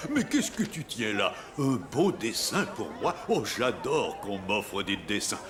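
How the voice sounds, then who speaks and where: Jolly, wildly animated old Santa. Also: male voice, medium pitch, takes it slowly, background noise. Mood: jolly, gentle. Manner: jovial, hearty chuckling, expressive. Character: jolly, kindly old department-store Santa Claus. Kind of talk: children's cartoon voice acting.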